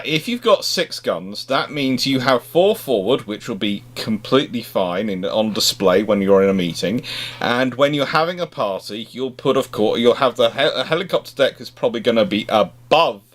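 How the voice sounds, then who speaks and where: A man giving expert commentary in a naval history discussion, often reworking his phrases as he goes. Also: on the low side.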